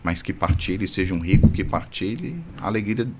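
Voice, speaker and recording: A man's voice: low-pitched, moderate pace, very noisy. Earnest priest telling his story in a studio. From Brazil, born in Salvador. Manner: earnest, animated storytelling with light humor. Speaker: priest, podcast guest. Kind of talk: testimony in casual conversation. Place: podcast studio.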